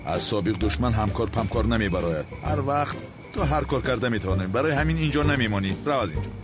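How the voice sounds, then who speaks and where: A man's voice: medium pitch, lively intonation, lightly acted. A man dubbing a TV drama, voicing a harried man who complains and sighs at unwanted guests. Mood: exasperated. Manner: exasperated, complaining, sighing. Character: harried adult man, exasperated at his unwanted houseguests. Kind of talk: dubbed TV drama. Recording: dull lo-fi TV audio with music.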